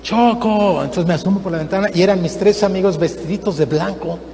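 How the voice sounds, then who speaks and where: A man, a guest missionary, preaching a sermon and telling a story with lively acted-out voices in a church. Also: sits high, quick pace. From Mexico. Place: church sanctuary. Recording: reverberant church hall, faint noise.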